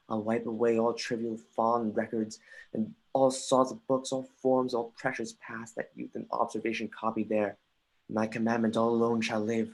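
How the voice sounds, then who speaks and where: An intense young prince played by a man speaks Shakespearean verse in a medium, husky register. He is wry and erratic, impassioned but halting in his delivery. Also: medium pitch, close to an everyday voice, rough recording. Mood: shaken, vowing. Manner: impassioned, halting reading with stumbles. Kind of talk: Shakespearean verse in a livestreamed dramatic reading. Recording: remote livestream audio.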